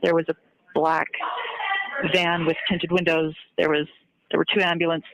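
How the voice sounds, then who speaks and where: Woman, recorded jail call, low-for-a-man range pitch avoided, flat intonation, matter-of-fact casual recounting. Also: moderate pace, gravelly, heavy background noise. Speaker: jail inmate on a phone call. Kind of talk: casual phone conversation, recounting events.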